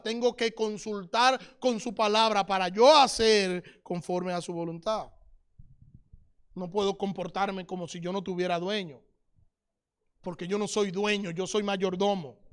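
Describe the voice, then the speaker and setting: Pastor, middle-aged man, very high voice, smooth and resonant, preaching to the congregation. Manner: preaching, addresses listeners as brother, reads scripture aloud. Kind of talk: sermon.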